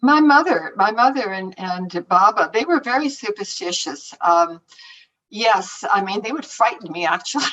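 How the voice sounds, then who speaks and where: A woman's voice: mid-range voice, fairly bright tone. A Canadian woman, an author, chatting casually about her life and books, often laughing and trailing off mid-thought. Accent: Canadian English. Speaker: author answering audience questions. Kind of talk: casual conversational answers. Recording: distant, dull lo-fi remote audio.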